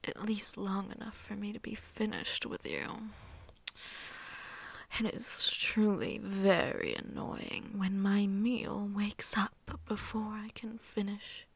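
A woman plays a seductive vampire mistress in an ASMR roleplay. She teases her prey in a condescending, breathy whisper that crackles with fry. The words come unhurried, as if she is savouring a meal. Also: mid-range voice, expressive, no echo, heavily acted. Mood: haughty, annoyed. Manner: whispered, slow, teasing, condescending. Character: seductive, haughty, hungry female vampire mistress toying with prey. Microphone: close microphone.

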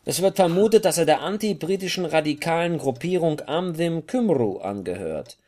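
A man's voice: a little high, lively intonation, normal speed, darkish tone. A man playing a cautious, grumbling chief inspector in a German crime audio drama, official and a little hesitant. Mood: businesslike.

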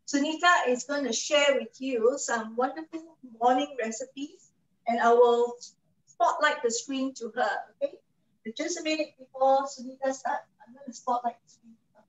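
A woman's voice: high-pitched, expressive, normal speed, reverberant, recorded from a distance, poor audio. A woman in her forties with a Malaysian English accent presents a kitchen appliance on a video call from her home kitchen, chatty and persuasive, often checking in with the audience. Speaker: cooking show host and product advisor. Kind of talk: product presentation to an online audience.

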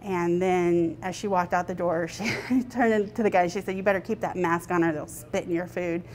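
A woman's voice: fairly low pitch, steady tone, normal speed, darkish tone, a little hiss or hum. A woman in her thirties, a restaurant owner, talking candidly in a news interview in her dining room, retelling events. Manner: candid, conversational, tells events with quoted speech.

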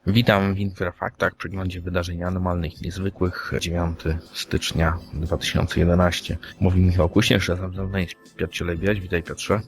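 A man hosting a podcast on odd news, speaking in a somewhat halting, hesitant way. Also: sits low, level tone. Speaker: podcast host. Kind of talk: podcast talk on paranormal news. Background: music playing under the voice.

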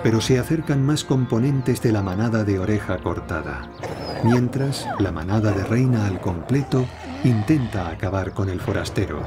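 Male nature documentary narrator, low pitch, measured dramatic delivery, prominent music bed. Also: animated. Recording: studio voice-over over prominent music. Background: music, animal sounds.

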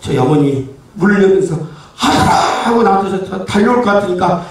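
A brash, profane man works a live crowd in a high, swooping voice, breaking into laughter and barking at stagehands. The sound comes from a camera far off in a very echoey hall, with a faint noisy haze behind it. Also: expressive, a little fast. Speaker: pumba street-comedy performer. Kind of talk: live stage banter with audience.

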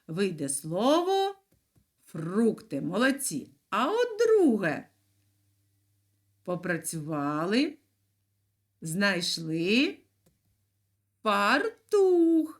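Slow, lively-voiced woman teacher. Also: medium pitch. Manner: slow, clear, encouraging, with sing-song emphasis. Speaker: primary school teacher. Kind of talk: video lesson for young children.

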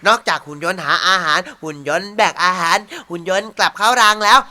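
A man voicing a curious, mischievous ladybug sidekick who eagerly plots in hushed tones. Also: sits high, quick pace. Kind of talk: cartoon voice acting.

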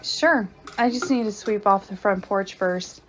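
An actress plays a wry daughter in a radio drama, with a medium-pitched female voice. She sounds conversational and skeptical, over faint background noise. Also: a little slow, lightly acted, low-quality recording. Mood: wry, casual. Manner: conversational, sardonic.

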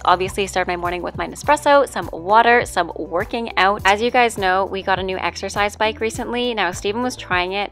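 A woman's voice: on the low side, a bit bright. A woman giving a casual, rambling vlogger voiceover with self-joking asides. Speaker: vlogger, ballet dancer and fitness teacher. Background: background music.

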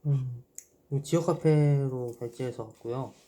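A man's voice: mid-range voice, normal speed, warm tone, slight background noise. A man in his thirties from South Korea chatting casually to viewers as a mukbang vlogger, murmuring in an understated way between bites, recorded at a table in a small room. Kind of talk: casual eating-show chat to viewers.

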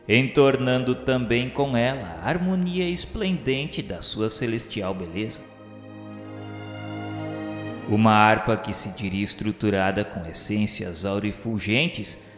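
Man narrating in cavernous reverb. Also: mid-range voice. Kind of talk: scripted literary radio-novela narration. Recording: echoey long reverb over music. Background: music.

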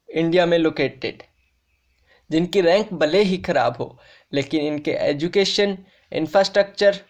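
A man whose voice sits high with a darkish tone hosts an informal educational YouTube video for students. He addresses viewers as friends and keeps restating each fact, saying it more than once.

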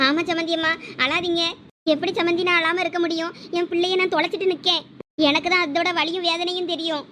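Bright, pushed, and level in tone, a high-pitched woman speaks quickly over slight background noise. She acts out a comic village family skit, playing several village women and delivering their quarrel with pleading emotion.

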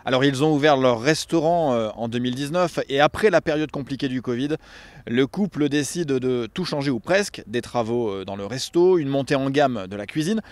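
A man narrating a local radio feature, his voice sitting in the middle range. He talks with a lively, playful way of phrasing things, like a reporter on assignment. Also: mid-range voice, brisk, no echo.

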